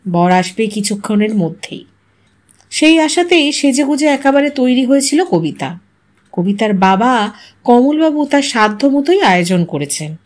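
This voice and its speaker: A woman with a distinctly high voice narrates a short story. Her delivery is scripted and dramatic, with expressive phrasing that leans into rhetorical questions.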